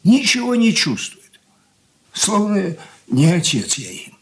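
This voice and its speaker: Older merchant patriarch, stern then broken, unhurried, radio drama. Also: male voice, sits high, big pitch swings, exaggerated voice. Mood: despairing. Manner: slow, heavy, brooding delivery. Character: aging stern merchant father, weary and grief-worn. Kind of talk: 1980s studio radio drama acting.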